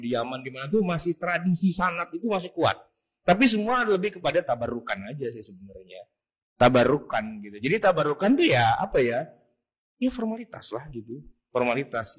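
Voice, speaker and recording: A man's voice: a little high, breathy edge. A man with an Indonesian accent giving a casual religious study talk, chatty and colloquial, full of rhetorical questions. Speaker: Islamic jurisprudence teacher.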